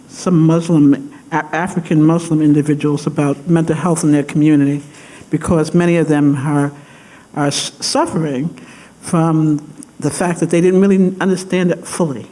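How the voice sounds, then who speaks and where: A man making a thoughtful comment at a panel, pausing to find his words. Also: on the high side, dark tone, rough recording.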